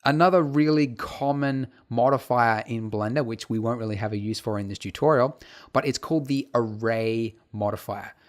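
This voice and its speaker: A man teaching a casual software tutorial over his screen, chatty and full of fillers and asides. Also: mid-range voice. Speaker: tutorial instructor.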